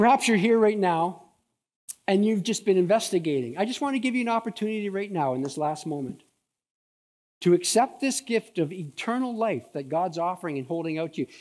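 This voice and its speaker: A man's high voice at a fairly quick pace, set against a quiet background. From Ontario, Canada. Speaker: pastor. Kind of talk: lecture. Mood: earnest appeal at close. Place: hall.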